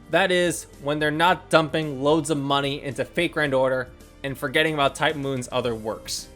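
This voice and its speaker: A video host narrating a scripted review in a measured, first-person commentary style. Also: mid-range voice, a bit bright. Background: background music.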